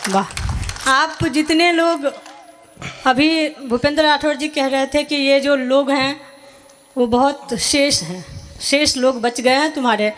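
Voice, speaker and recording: At a poetry gathering on an outdoor stage, a woman poet from Bihar speaks slowly in a high voice into the stage mic. She banters with the host, firing off witty comebacks while a faint crowd can be heard.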